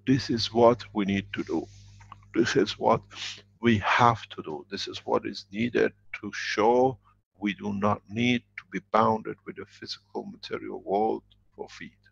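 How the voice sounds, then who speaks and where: A man's voice: lowish voice, fairly even intonation, unhurried, vocal fry, slight background noise. A man giving a workshop lecture, speaking emphatically and repeating his key phrases. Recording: dull lo-fi recording.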